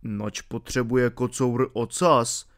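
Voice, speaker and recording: A man voicing a suspicious middle-aged shepherd in an audiobook, asking slow, doubtful questions. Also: medium pitch, expressive, lightly acted. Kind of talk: audiobook reading.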